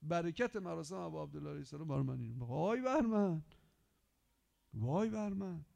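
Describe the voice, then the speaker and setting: Male preacher, high and gravelly, delivering a passionate sermon full of rhetorical questions, loud then hushed. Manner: impassioned, swings between loud exhortation and hushed whispering; rhetorical questions pressed on the listener. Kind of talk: Muharram religious sermon.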